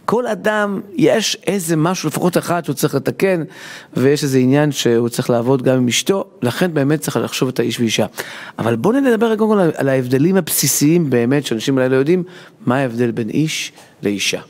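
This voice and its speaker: A man's voice: mid-range voice, lively intonation, a little mellow. A man hosting a TV talk show, asking the guest questions and agreeing with short interjections. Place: television studio.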